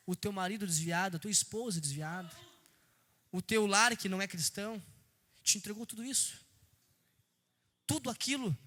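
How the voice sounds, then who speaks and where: Male preacher, sharp bright voice, shouting then dropping low, hallelujahs, church hall reverb. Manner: fervent, swings between shouted peaks and low asides, frequent hallelujahs. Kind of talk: sermon. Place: church service.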